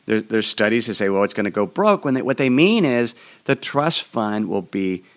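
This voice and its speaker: A hoarse man hosting a solo podcast, explaining in a rambling way with frequent restarts, recorded in a hotel room. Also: on the low side, very animated, moderate pace. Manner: rambling, repeats and restarts words. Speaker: podcast host.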